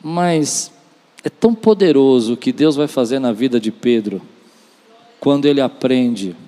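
A man's voice: mid-range voice, expressive, unhurried, warm tone. A man delivering a charismatic church sermon as a preacher, speaking emphatically and directly to his listeners, with repetition and acted-out dialogue. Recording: long reverb of a large hall.

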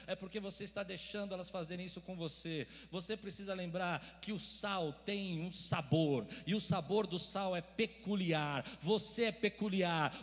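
A man preaching a sermon to his congregation, asking them for responses, going from quiet talk to loud shouts. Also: high voice. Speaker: pastor. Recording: reverberant church hall.

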